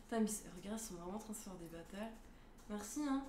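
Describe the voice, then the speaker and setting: A woman's voice: mid-range voice, fast talker. Woman, 20s, from France, laid-back streamer, echoey room with light noise. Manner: relaxed, swears casually, thanks viewers. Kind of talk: casual chat with live chat. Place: small room indoors. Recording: echoey room, faint hiss.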